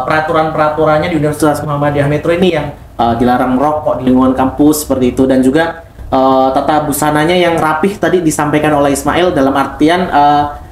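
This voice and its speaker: Conversational interpreter, recapping and prompting; roomy sound with slight noise. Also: mid-range voice. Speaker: interpreter for a student guest. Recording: echoey room with background noise.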